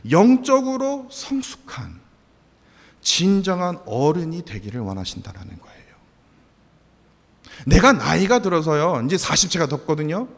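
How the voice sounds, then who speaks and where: Animated male pastor preaching in a reverberant church. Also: high-pitched. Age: 40s. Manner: emphatic, rhetorical questions to the congregation. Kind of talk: sermon. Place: church sanctuary. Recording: long hall reverb.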